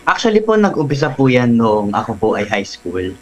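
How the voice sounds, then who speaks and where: Man, voice artist guest, mid-pitched, animated, faint mains hum. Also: normal speed, soft background music, low-quality recording. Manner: animated, explains while slipping into voices. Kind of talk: casual radio interview.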